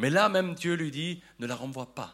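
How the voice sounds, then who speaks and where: A man talks at a very slow pace in a very clean recording with a silent background. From Austria, rural mountain area. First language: German (speaking French). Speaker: pastor. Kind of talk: sermon. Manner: animated.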